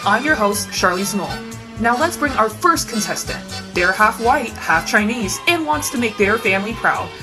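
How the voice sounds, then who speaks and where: A woman's voice: a little high, lively intonation, moderate pace, close to an everyday voice. Woman acting as a showy game show host over music. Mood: showy, welcoming. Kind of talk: game show hosting parody.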